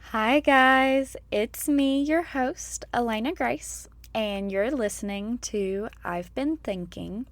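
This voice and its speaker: Hoarse woman in her 20s, podcast host; unhurried, soft-spoken and candid, dry close sound. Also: on the high side, dry recording. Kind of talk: personal podcast monologue.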